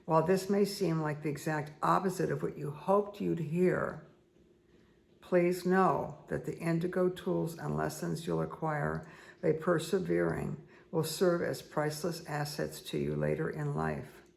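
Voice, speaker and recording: Hoarse middle-aged woman, heavy vocal fry, slow repetitive spiritual card-reading delivery. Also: low voice, steady tone, a little mellow. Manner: slow, soothing, repetitive guidance with asides. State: hoarse, croaky voice. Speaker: spiritual reader and meditation guide. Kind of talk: casual spoken card reading.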